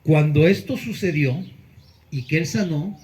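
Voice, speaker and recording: A male pastor preaching a Sunday sermon, earnest with emphatic pauses. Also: a little high, a little mellow, poor audio.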